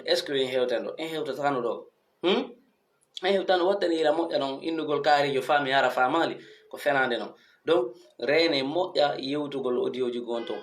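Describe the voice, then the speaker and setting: High-pitched man in an echoey room. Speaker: online commentator addressing followers. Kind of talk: informal commentary monologue to followers.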